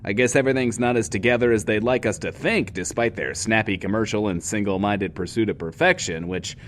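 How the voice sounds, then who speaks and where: An actor playing a self-important, wordy, lonely radio host in a post-apocalyptic bunker, in an audio drama. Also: male voice, lowish voice, a little fast, a little hiss or hum, lightly acted. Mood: showy, gossipy. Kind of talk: in-world radio show monologue, audio drama.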